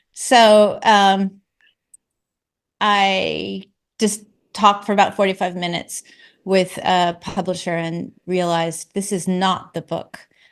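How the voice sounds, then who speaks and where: Against a quiet background, a voice with an American accent speaks at a very slow pace in a monotone, flat intonation. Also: woman. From California. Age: 60s. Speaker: author and retired educator. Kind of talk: interview conversation. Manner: halting, many restarts.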